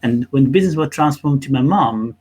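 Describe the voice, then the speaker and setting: A man who comes from Nepal talks in a conversational interview as a business owner. His delivery halts and doubles back on words, with rhetorical questions worked into his storytelling. The pitch sits in an ordinary middle range for a man. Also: animated, brisk, a little mellow, slightly rough.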